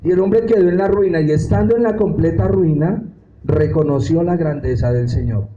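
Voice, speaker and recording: A man leads a Bible study as if preaching a sermon, acting out the prayers he quotes and putting questions to the congregation. His voice sits on the high side and is mellow, at a moderate pace, and the recording is lo-fi with a roomy sound.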